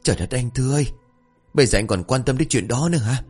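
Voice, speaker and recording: A man's voice: fast, darkish tone, husky, soft background music, lightly acted. A man voicing a panicked middle-aged woman shopkeeper who calls out shrilly. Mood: urgent. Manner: shrill calling out.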